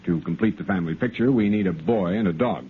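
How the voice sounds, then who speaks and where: An actor playing a crisp, explanatory army intelligence lieutenant in a 1950s radio drama. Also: male voice, low voice, fast talker, slight background noise, lightly acted. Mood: brisk. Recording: tinny 1950s radio broadcast.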